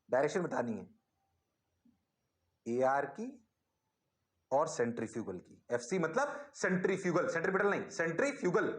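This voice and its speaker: A man teaching physics in an online class, energetic and coaxing, repeating prompts to his students. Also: sits high, echoey room.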